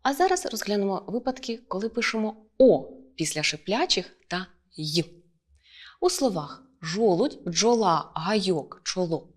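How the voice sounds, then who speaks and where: A woman teacher talks through a lesson in a clear, measured way. She lays weight on each example word and keeps a steady, even delivery. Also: mid-range voice.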